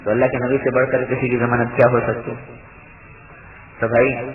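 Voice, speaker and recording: A man preaching earnestly to a gathering, urging his listeners and retelling stories with quoted speech. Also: level tone. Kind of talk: sermon to a gathering. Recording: tinny, roomy low-quality recording.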